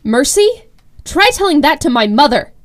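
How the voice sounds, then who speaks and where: Woman playing a high-voiced, fierce young heroine. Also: big pitch swings, normal speed, slight background noise. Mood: fierce, defiant. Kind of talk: audio drama acting.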